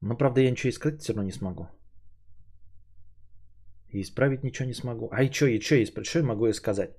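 This man, in his thirties, talks fast with a medium pitch and a breathy edge. Alone on his podcast, he rambles and muses, cursing offhandedly as his energy rises and falls.

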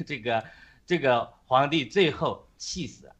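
A man casually retelling a Bible story on a Christian chat, halting often with fillers and restarts. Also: medium pitch, animated, fairly bright tone, husky, dull audio. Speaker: Christian speaker on a faith chat.

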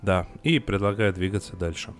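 A man's voice: sits low, a little fast, loud music behind the voice. A young man co-hosting a podcast about TV series, talking casually and emotionally, with frequent restarts and filler sounds. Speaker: podcast co-host reviewing TV series.

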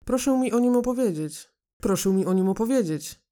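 A woman's voice: medium pitch, animated, brisk, mellow. A woman trying out scripted lines in an informal read-through. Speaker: voice actress rehearsing lines.

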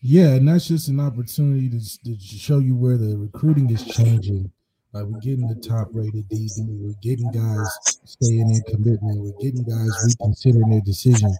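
A man co-hosting a casual sports podcast, giving relaxed conversational analysis. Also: on the low side, moderate pace, noisy background. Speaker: podcast co-host.

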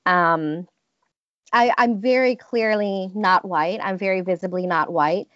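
A woman's voice: medium pitch, measured pace, fairly bright tone, no room sound, highs cut off. A woman in her thirties from the United States, telling personal stories in an interview in a thoughtful, hesitant way with many restarts. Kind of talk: reflective personal storytelling.

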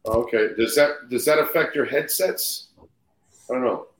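A male podcast host with a medium-pitched voice talks sports casually and likes to tease. His sound is strongly echoey, bouncing around like a big room. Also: normal speed. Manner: joking, teasing.

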